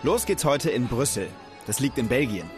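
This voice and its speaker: A man presenting a children's knowledge show, talking straight to young viewers in an upbeat, animated way. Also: mid-range voice, normal speed, over loud music. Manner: lively, addresses viewers directly as kids.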